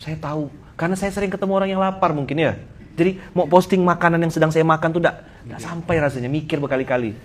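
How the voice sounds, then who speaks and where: Joking preacher with a Pontianak Malay accent. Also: male voice, fairly high pitch, quick pace. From Pontianak, Indonesia. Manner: joking, teasing, lively storytelling to a congregation. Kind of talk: humorous sermon.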